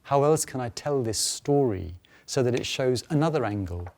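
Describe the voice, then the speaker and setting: A man's voice: mid-range voice, animated, normal speed, darkish tone. A man explaining a research project in interview style.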